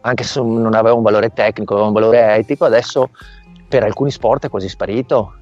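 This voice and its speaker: A man's voice: lowish voice, fairly even intonation, fast talker, darkish tone. A middle-aged man, a volleyball coach, speaking over a remote call line in an interview. He explains at length and often checks that the listener has understood. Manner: explanatory, often asks "capito?". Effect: heard over a remote call line. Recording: dull lo-fi call audio, faint music.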